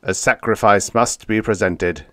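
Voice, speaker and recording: A man voicing a solemn, authoritative tribal chief who makes slow declarations in a story. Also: fairly low pitch, fairly even intonation, pushed and bright, dry recording.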